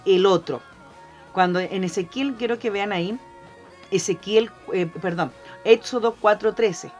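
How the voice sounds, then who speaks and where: A woman's voice: medium pitch, measured pace, a little mellow, lo-fi sound, soft background music. A woman co-hosting a Christian podcast with a mixed Chilean accent, preaching and often adding "amén" and "¿cierto?". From Argentina. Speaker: podcast co-host. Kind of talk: Christian devotional podcast talk.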